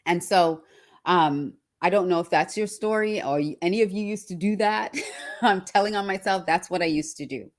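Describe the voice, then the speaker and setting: A woman's voice: lowish voice, moderate pace. A woman from Trinidad and Australia giving a motivational talk as personal storytelling, emphatic and repeating phrases for effect. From born in Trinidad, raised in Australia from early childhood. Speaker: personal branding speaker.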